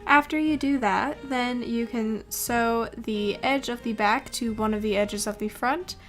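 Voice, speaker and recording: A woman's voice: a little high, a little slow, fairly bright tone, soft background music. A young adult woman reading a tutorial voice-over, explaining things step by step.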